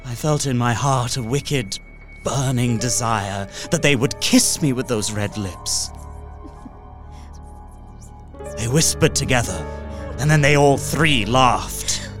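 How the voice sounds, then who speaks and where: An actor playing an anxious young man trapped in a castle, narrating a diary in a gothic horror audio drama with dramatic hushed dips and swells. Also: mid-range voice, a little slow, faint music behind, close to an everyday voice. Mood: shaken.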